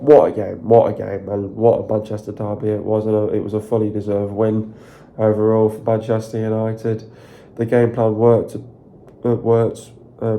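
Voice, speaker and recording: Hoarse from a sore throat, a lowish-voiced football fan channel host gushes about a win in a casual solo video. He rambles excitedly, repeating himself and leaning on filler words.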